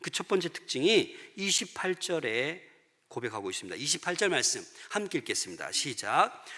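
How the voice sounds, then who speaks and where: A male pastor preaching a sermon, with emphatic swings between loud declarations and hushed lines. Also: on the high side, sing-song, a little fast. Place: church sanctuary. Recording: long church reverb.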